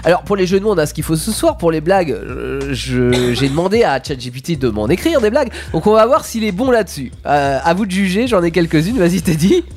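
A man hosts a relaxed panel chat in a high, lively voice that swings up and down. He leads each segment with plenty of fillers and restarts. Music plays softly behind him. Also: fairly quick, few pauses. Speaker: host.

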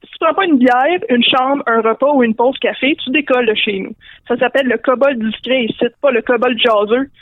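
Blunt sarcastic innkeeper, high voice, Québécois slang, as a woman plays him; phone-line sound. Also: fairly quick, no room sound, lightly acted. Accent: Québécois French.

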